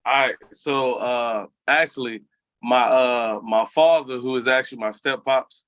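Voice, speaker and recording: A man's voice: medium pitch, a little slow, fairly bright tone, dry recording. A man from Memphis, a guest in a casual interview who speaks frankly and reflectively. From Memphis, Tennessee.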